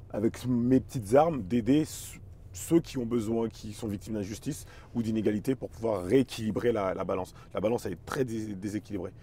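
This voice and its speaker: Male interview guest, 30s, dark relaxed timbre, thoughtful and halting phrasing, faint ambient noise. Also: mid-range voice, creaky. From Paris suburbs, France. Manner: hesitant, repeats words while searching for phrasing. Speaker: interview guest, chess teacher and performer. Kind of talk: casual, reflective interview talk.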